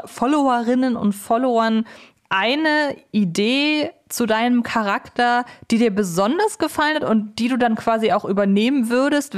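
A woman interviewing a guest in a casual, conversational style as a podcast host. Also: a little high.

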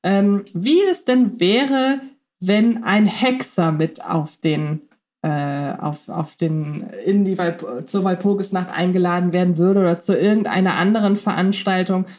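A woman's voice: lowish voice, a little slow, darkish tone. A woman co-hosting a fan podcast, chatting casually and thinking aloud with questions. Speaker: podcast co-host.

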